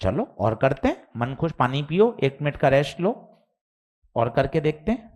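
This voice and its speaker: A man teaching physics in a live online class, explaining slowly and deliberately and acting out his students' questions. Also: on the high side, big pitch swings, darkish tone. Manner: addresses students informally, mimics their questions.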